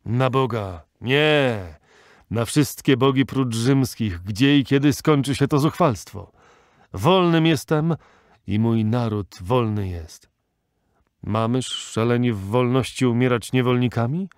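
A man voicing a proud, fierce old Arab sheikh who shouts in outrage, reading an audiobook with a dry sound. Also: slow pace, no room sound, natural voice. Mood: outraged. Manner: shouting in outrage, rising pitch.

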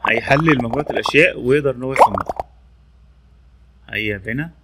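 A man's voice: medium pitch, fast talker, very noisy. Egyptian man explaining a tutorial. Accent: Egyptian Arabic. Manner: repeats labels while demonstrating a training tool. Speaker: tech tutorial presenter. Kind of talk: casual screen-recorded tutorial.

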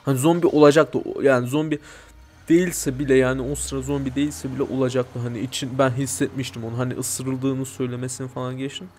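A man doing let's play commentary, joking and bursting into loud mock-angry swearing. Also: medium pitch, little pitch movement, quick pace, slight background noise. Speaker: gameplay commentator.

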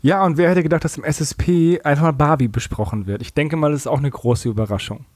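A man's voice: on the high side, quick pace, darkish tone, no room sound, studio quality. A man co-hosting a podcast in casual, conversational chat. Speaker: podcast co-host.

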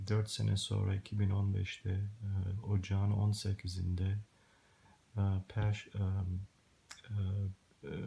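A middle-aged man from Germany giving a personal religious testimony in halting, broken Turkish, searching for words like a long-time emigrant. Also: fairly low pitch, vocal fry, mellow. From Germany, born and raised. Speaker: Christian testimony video maker. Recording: hissy home recording with clicks.

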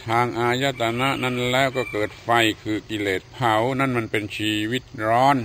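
An older man delivers a Buddhist sermon at a slow, deliberate pace, now and then pausing on hesitant fillers. His voice sits in an ordinary middle pitch. A faint background noise runs under the recording. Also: fairly even intonation, fairly bright tone. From Thailand. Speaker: Buddhist monk giving a dharma talk.

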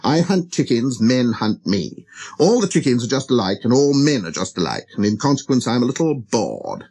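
A man voicing a lonely, gentle wild fox in a storybook, speaking slowly and earnestly with hesitant pauses. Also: mid-range voice, very animated, breathy edge. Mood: wistful. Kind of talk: storybook character reading.

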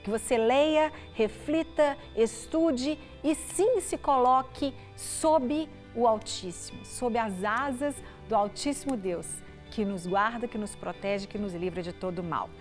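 A woman's voice: a little high, slow pace, faint music behind. A middle-aged woman pastor with a Brazilian Portuguese accent gives a short, conversational devotional talk in a TV studio. She speaks to the viewer through a lapel mic. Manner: conversational, often asks the viewer "né?". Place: TV studio set.

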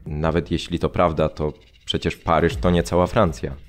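A grave male prisoner recounts his deportation in a very low voice. He speaks in terse, clipped fragments, as in a radio drama, with music underneath. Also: level tone, moderate pace. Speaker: actor reading a prisoner's account. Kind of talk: scripted documentary radio-drama narration, terse present-tense recollection.

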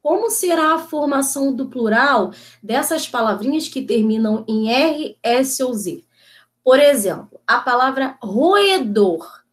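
Woman teacher going over grammar rules real slow, kinda high voice, patient. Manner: slow, patient explaining with frequent checks. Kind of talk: video lesson on grammar.

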